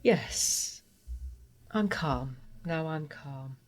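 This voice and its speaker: A trans woman from Guatemala, a native Spanish speaker, telling her life story in an interview with an earnest, heartfelt, measured manner. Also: sits low, animated. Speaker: interview guest. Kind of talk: personal testimony interview.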